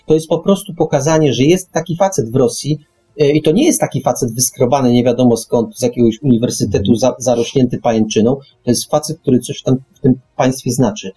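A man's voice: medium pitch, fairly quick, warm tone, slightly rough. A man hosting a radio discussion, speaking emphatically and often restarting and repeating his phrases. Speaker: radio show host.

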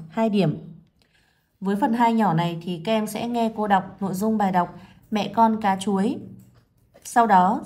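A woman's voice: medium pitch, a little mellow. Woman teacher reading aloud for young children. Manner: slow, measured reading of poem and story, careful phrasing. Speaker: primary school teacher.

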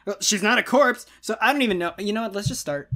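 A man's voice: sits high, fast, pushed and bright. A young man hosting a reaction video in casual commentary, with incredulous exclamatory asides. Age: young adult. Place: small lamp-lit home room, indoors.

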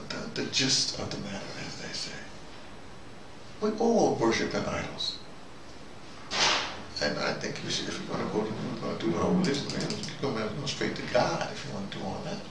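Gravelly older man, rambling and musing. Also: mid-range voice. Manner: digressive, musing, often asks himself questions. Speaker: video diarist delivering an opinion monologue. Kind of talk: rambling, conversational spoken tirade to camera. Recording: roomy, distant mic, noisy ambient background.

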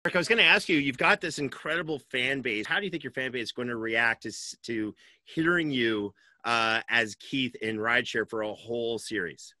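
Bright, forceful male podcast host. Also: mid-range voice, a little fast, no room sound. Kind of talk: interviewing and presenting to an audience. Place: indoors on a video call.

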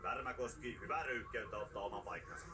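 A man giving live play-by-play commentary on a ski race, getting excited at the finishes. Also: mid-range voice. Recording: distant, noisy TV broadcast capture.

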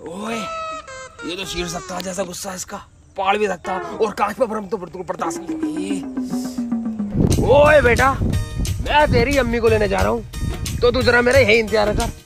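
A sardonic village elder, voiced by a man in a comic dub, his high voice gravelly and swooping. He mocks dryly, heard from a distance over clear music. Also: very animated, moderate pace, pauses often, heavily acted. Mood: mocking.

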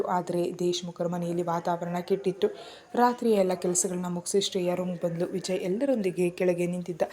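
A woman narrating a serialized story in a steady, even manner. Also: lowish voice.

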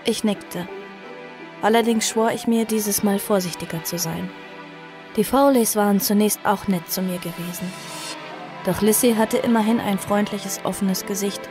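An actress playing an earnest, cautious girl who recounts her story in a horror audio drama, measured and reflective. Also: medium pitch, fairly even intonation, natural voice. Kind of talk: audio drama narration and dialogue. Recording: music behind the voice.

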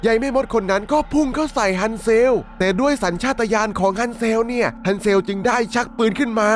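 With faint music behind him, a man speaks fast in a very high-pitched voice. He's a storyteller and channel host recapping a dramatic horror story, talking to his listeners in a conversational, polite way.

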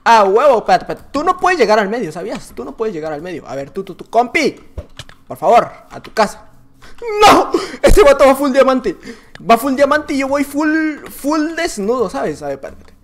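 A man with a Mexican accent giving excitable, joking gameplay commentary, now and then singing or yelling. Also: extremely high pitch, a little fast. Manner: excitable, joking, breaks into silly singing and shouting. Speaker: gaming YouTuber.

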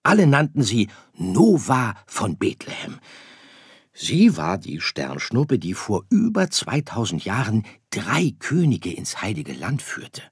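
Male reader as a gentle father star, slow, explaining, storybook audiobook. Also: fairly low pitch, breathy edge, no room sound, clean studio sound, voice pushed up, full character voice. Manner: calm, explaining. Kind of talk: audiobook character voice.

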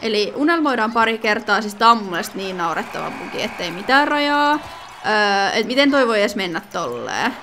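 A woman's voice: medium pitch, sing-song, bright, forceful tone, slight background noise. A woman giving casual gameplay commentary, chatty and thinking aloud with lots of fillers and sudden exclamations. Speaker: gaming video creator.

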